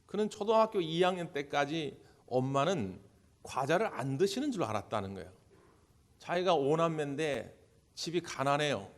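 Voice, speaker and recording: A man's voice: on the high side, vocal fry. A male pastor preaching at a church service, telling stories, acting out the people in them, and putting questions to the congregation. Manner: storytelling, acting out quoted voices. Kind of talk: sermon.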